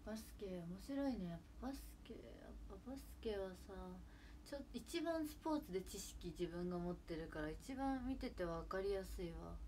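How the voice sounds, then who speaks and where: A woman's voice: mid-range voice, animated, a little fast, warm tone, slight background noise. A young woman from Kagawa, Japan, hosting an idol livestream, chatting casually and gushing to viewers on a close phone mic.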